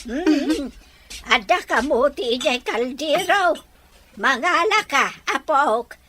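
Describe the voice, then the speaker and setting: A woman playing a kindly, easygoing old grandmother in an audio drama, with a drawn-out, expressive delivery. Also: high voice, background noise. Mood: reassuring, welcoming.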